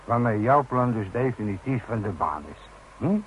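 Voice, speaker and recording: Gruff site boss with faint hiss. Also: male voice, on the low side, expressive, moderate pace, a bit bright, rough recording. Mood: stern. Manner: blunt, authoritative. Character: gruff, commanding male site boss, impatient with backtalk. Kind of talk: Dutch radio drama acting.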